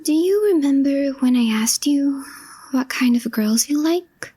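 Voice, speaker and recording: A woman playing a calm, reserved young girlfriend, shyly smitten, in a soft, breathy, hesitant ASMR roleplay voice that often drops to a whisper. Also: high-pitched. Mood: quietly fond. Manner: hesitant, understated, slow with long pauses.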